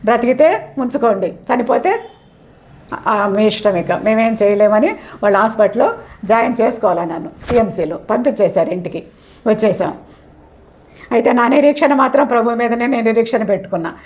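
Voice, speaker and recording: A woman's voice: a little high, brisk, a little mellow. An older woman giving a personal faith testimony at church, telling her story earnestly and often repeating herself. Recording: dull lo-fi recording.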